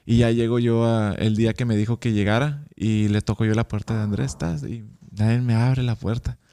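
A man's voice: mid-range voice, normal speed. A young Mexican man with a Mexican accent, a guest telling a personal story in a casual interview and acting out the dialogue. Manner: animated, acts out quoted dialogue.

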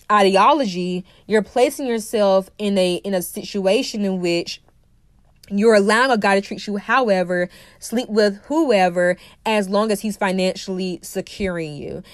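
A woman's voice: medium pitch, a little slow, no room sound, studio quality. A woman hosting her own podcast, lecturing emphatically and repeating her key phrases, sounding congested from a cold. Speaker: podcast host and dating coach. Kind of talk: opinionated solo podcast monologue.

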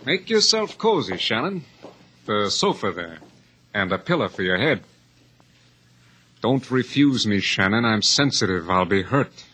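An actor playing a sardonic escaped convict in a radio drama, mock-friendly and silkily taunting. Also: male voice, on the low side, sing-song, unhurried, pauses often, sharp tone, full character voice. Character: escaped convict, sardonic, falsely hospitable gunman. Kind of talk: 1950s radio drama acting. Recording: noisy old radio recording.

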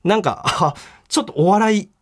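A man's voice: high voice, moderate pace. A man hosting a radio talk show, telling a personal story in a casual way and acting out the voices of the people in it. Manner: animated storytelling, acts out quoted people. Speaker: comedian and radio show host. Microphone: studio microphone.

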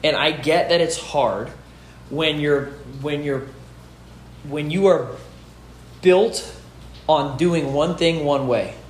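Speaking slowly with frequent pauses, this gym owner and fitness business host has a slightly high voice. He gives peers sincere, informal pep talk advice, stressing and repeating his key phrases. He's outside at his home gym beneath a roof while a storm pours rain on it, and the echoey recording carries that rain sound.

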